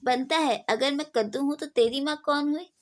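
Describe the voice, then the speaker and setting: A slow-witted village idler who keeps asking puzzled questions in a halting way, read aloud by a woman. The voice sits a little high. It is an everyday storybook reading rather than a full character voice. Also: lightly acted. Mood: indignant.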